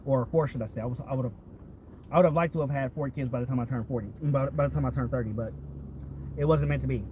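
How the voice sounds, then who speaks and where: Casual American male vlogger, candid and profane, mid-pitched, slightly noisy lo-fi recording. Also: fast talker. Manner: candid, profane, repeats himself. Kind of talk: casual rambling chat. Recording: dull lo-fi audio with background vehicle noise.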